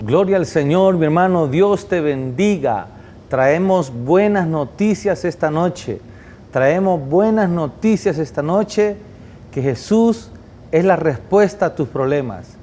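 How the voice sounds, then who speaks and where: Fervent male Christian TV host, mellow tone. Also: fairly high pitch, lively intonation, takes it slowly, soft background music. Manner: fervent, repetitive preacher cadence. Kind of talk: preaching television interview.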